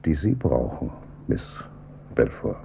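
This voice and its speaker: An actor playing a calm, probing police inspector who heads homicide in a radio drama, with a dry, measured delivery. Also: male voice, a bass voice, creaky, music in the background, full character voice. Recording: dull, slightly noisy audio with hum.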